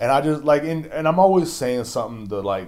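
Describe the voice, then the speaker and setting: With lively intonation and a fairly quick pace, a man speaks in a plain, everyday voice. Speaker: podcast host. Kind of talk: angry rant, profane casual monologue. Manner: profane, loud, ranting; rambling, stop-start, filler-heavy.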